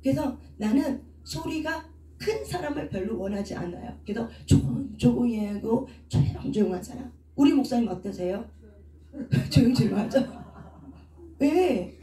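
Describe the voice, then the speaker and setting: A woman's voice: on the high side, expressive, measured pace, mellow, distant mic. Woman preaching in an echoey hall. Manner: asks rhetorical questions and answers them herself. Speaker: counselor and preacher. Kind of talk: teaching sermon with questions to the congregation. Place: church prayer hall. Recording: echoey room, speaker away from the mic.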